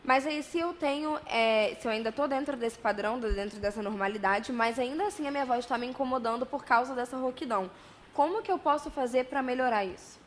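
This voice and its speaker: A woman's voice: high-pitched, brisk, a little hiss or hum. A woman with a Brazilian Portuguese accent hosting a TV talk show, asking chatty, conversational questions. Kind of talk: studio interview hosting. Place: television studio.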